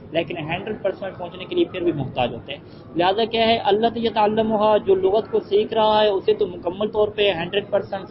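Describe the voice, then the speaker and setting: A male teacher lecturing a class, explaining an Arabic text line by line, answering his own questions and reading the Arabic slowly. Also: sits high. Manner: asks rhetorical questions and answers them, reads Arabic phrases slowly. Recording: muffled with heavy background noise.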